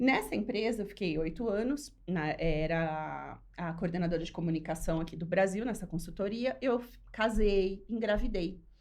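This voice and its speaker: A woman speaking with hardly any pauses, amid audible room echo. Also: medium pitch for a woman, ordinary pitch variation, moderate pace. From São Paulo, Brazil. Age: 40s. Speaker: craft entrepreneur. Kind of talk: interview. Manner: talkative.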